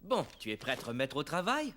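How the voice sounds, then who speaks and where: Animated, kindly cartoon dad. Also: male voice, on the high side, fast, slight background noise. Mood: encouraging. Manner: encouraging, animated, simple address to a child. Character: kindly, encouraging young father of a small boy. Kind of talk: children's cartoon dialogue.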